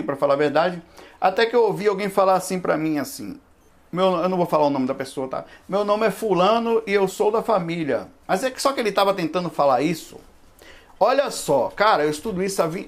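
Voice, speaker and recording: A man in his forties with a fairly high voice talks to his livestream audience about spiritual matters. He rambles conversationally and keeps dropping in asides, heard through a camera microphone. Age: 40s. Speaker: spiritualist lecturer. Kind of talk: casual livestream talk.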